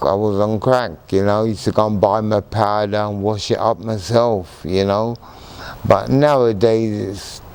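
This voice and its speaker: Noticeable background noise sits behind a man whose medium-pitched voice moves at a fairly slow pace. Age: 60s. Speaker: drug user. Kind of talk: interview answer.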